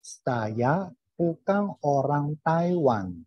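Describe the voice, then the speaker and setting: A man learning a language, carefully and haltingly reciting drill sentences over an online call. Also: on the high side, big pitch swings, slightly rough. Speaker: language student. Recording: dull, roomy online call recording.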